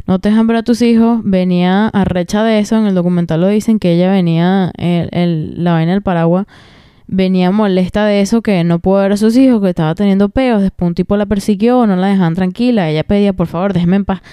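Young woman podcasting, warm smooth voice, slangy and emphatic, dry close sound. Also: medium pitch, steady tone, brisk, dry recording. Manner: emphatic and slangy, drops in English phrases. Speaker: podcast host. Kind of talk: casual podcast commentary.

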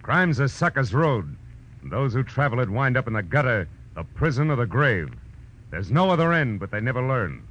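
A man's voice: mid-range voice, big pitch swings, normal speed, a bit bright. A man with an American accent playing a world-weary, terse, slangy private detective in 1940s radio noir style. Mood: grim, hard-boiled. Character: hard-boiled male private detective narrating his case. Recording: dull vintage radio recording with music.

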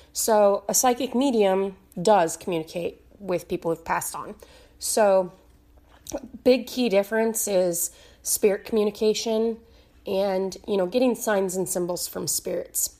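A woman speaking casually to camera as a teacher, her voice a little raspy, with many fillers and restarts. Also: medium pitch, darkish tone. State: slightly raspy voice. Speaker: psychic medium teacher.

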